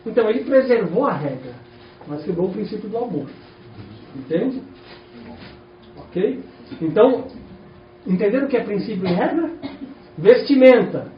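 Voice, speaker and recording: A man's voice: high voice, normal speed, long pauses. A Brazilian man preaching a sermon in a church, talking to the congregation and asking them questions all the way through. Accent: Brazilian Portuguese. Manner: animated, rhetorical questions to the congregation. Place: church hall. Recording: echoey, distant, dull church recording.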